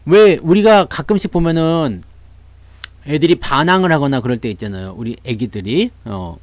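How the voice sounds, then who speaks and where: Brief: male livestream host with Jeolla dialect, lively pitch, dry close sound, chatty and laughing. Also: moderate pace, no room sound. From Seoul, South Korea. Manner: chatty, greets viewers, laughs often, mimics voices. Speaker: stock market livestream host. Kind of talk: casual livestream talk.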